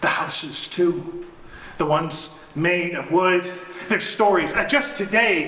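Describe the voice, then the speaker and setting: In a raised, projected voice, a man with a high pitch speaks over noticeable background noise. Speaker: actor. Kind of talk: one-man stage show, storytelling. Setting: live audience.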